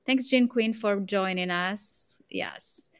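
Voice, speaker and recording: A woman's voice: medium pitch, takes it slowly, smooth, dry recording, clean studio sound. A woman hosting an interview show on a video call, asking questions and often agreeing along with her guest. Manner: warm and affirming, with frequent agreeing backchannels. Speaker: host. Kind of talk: casual interview conversation.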